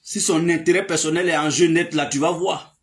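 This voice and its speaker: Animated man in his thirties. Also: a little high, brisk. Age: 30s. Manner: animated, many fillers, rises to emphatic outbursts. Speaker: political commentator. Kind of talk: casual monologue.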